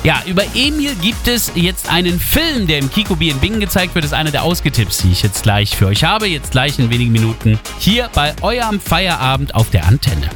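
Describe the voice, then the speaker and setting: A chatty man presenting traffic and weather on local radio, his voice rising and falling a lot. He sits a little higher than most men and talks straight to the listeners. A music bed plays clearly under him. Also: sing-song, fairly quick. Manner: chatty, addresses listeners directly. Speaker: radio host. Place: radio studio. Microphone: studio microphone. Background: music bed under the talk.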